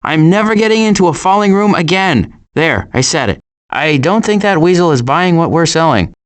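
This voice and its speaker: Speaking a little high at a normal pace, a man gives a lightly acted performance as a cautious, anxious adult male turtle from an animated video game. He comes across fretful and wry, stammering through deadpan sarcasm.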